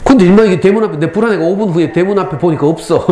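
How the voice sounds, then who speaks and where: A middle-aged man with a Gyeongsang Korean accent, giving a lively parenting lecture to school parents and acting out lines as he tells stories. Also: high-pitched, rapid-fire. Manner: lively storytelling, acts out lines. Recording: echoey hall, faint ambience.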